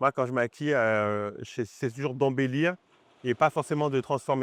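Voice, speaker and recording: A man with an unremarkable speaking voice, medium pitch, ordinary pitch variation and a fairly quick pace, in a dry, close sound with no echo. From French Guiana, Cayenne. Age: 30s. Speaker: stylist and makeup artist. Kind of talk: casual interview. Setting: outdoors on a beach.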